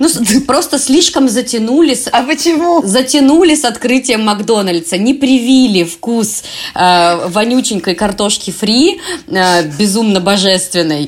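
A woman talks at a fairly slow pace, her fairly high pitch making very wide swings. Her loudness stays very even. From Russia. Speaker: podcast co-host. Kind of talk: casual chat.

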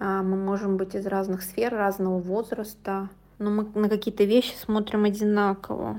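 A woman's medium-pitched voice, dark and mellow in tone, at a moderate pace with monotone, flat intonation. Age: 40s. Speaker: listener with a voice message. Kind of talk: recorded voice message.

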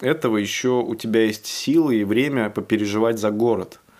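A man's medium-pitched voice at a moderate pace, with ordinary pitch variation, in a very clean recording with a silent background. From Tolyatti, Volga region, Russia. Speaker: podcast host. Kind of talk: casual interview.

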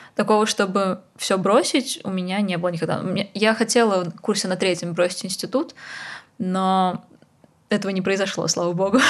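In a normal speaking voice, a woman talks at a moderate pace and medium pitch. Her intonation stays fairly even against a quiet background. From Russia, Bashkortostan. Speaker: beauty blogger. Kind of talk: interview.

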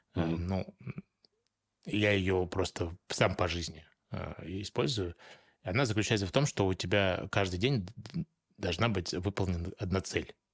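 A man speaks in a very deep, low voice with ordinary pitch variation, pausing long and often. The recording is very clean with a silent background and a dry, close sound without echo. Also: fairly slow pace. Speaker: entrepreneur and coach. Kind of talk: interview.

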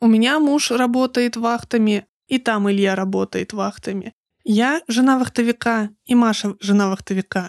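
An ordinary speaking voice from a woman, fairly high in pitch with ordinary pitch variation, at a moderate pace, in a dry, close sound with no echo. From Russia, Novosibirsk. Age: 30s. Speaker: podcast host. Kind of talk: solo podcast monologue.

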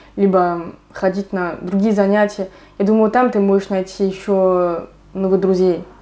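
A woman speaks at a medium pitch and a fairly slow pace, her dark, mellow tone held in a monotone, flat intonation. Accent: French. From northern France. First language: French (speaking Russian). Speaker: podcast host, language school founder. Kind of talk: casual interview chat.

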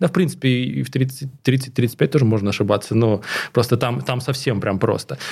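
Vocal fry runs through a man's medium-pitched voice, which shows ordinary pitch variation. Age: 30s. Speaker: podcast co-host, teacher. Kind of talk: casual chat.

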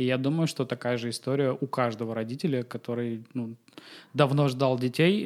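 With ordinary pitch variation and a medium pitch, a man talks at a moderate pace. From Komi Republic, northern Russia. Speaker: extreme sports business owner and father. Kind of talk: casual interview. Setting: outdoor summer veranda at a wakeboard station.

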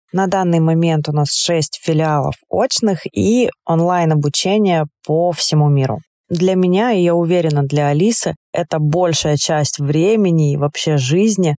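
A woman's fairly low, dark, mellow voice at a fairly slow pace, with ordinary pitch variation, very even loudness, and a dry, close sound with no echo over a quiet background. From Russia, Barnaul. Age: 20s. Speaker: language school co-founder. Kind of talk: personal monologue.

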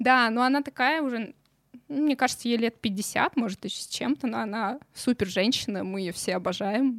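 The speaker has an ordinary speaking voice with ordinary pitch variation, moving at a moderate pace. The sound is dry and close with no echo, on a very clean recording with a silent background. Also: woman, fairly high pitch for a woman. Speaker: sociology graduate, marketing assistant. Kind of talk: casual interview.

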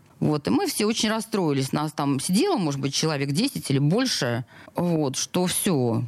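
A woman speaks with a very deep, low pitch and lively intonation. Her loudness stays very even. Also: moderate pace. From Saint Petersburg (Leningrad). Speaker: journalist. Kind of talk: interview. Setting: radio studio. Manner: halting.

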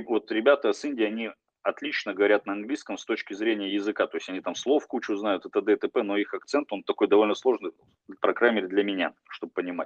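The recording of this man is dry and close with no echo, and he talks at a fairly quick pace against a quiet background. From Russia, Novosibirsk. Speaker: banker and startup co-founder. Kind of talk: casual interview.

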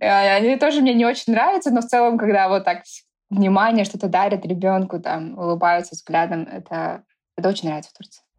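A normal speaking voice moves at a fairly quick pace with ordinary pitch variation and big swings in loudness over a quiet background. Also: woman, medium pitch for a woman. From Kyrgyzstan, Bishkek. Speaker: IT developer and entrepreneur. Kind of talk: casual interview.

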